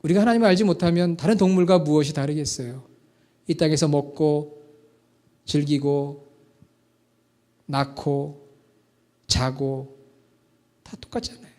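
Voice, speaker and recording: High-voiced Korean-speaking male preacher. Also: unhurried, pauses often, mellow. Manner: storytelling preacher, asks the congregation questions. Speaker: pastor. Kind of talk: sermon.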